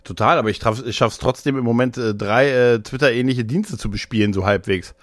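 Podcast co-host, male, mid-pitched, chatty and rambling, recorded dry. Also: fairly quick, no echo. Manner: chatty, rambling, self-interrupting. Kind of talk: casual podcast chat.

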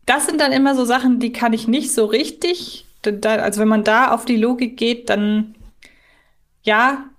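A woman's voice: on the high side, steady tone, normal speed. A woman co-hosting a podcast, explaining things thoughtfully in a casual discussion. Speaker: podcast co-host.

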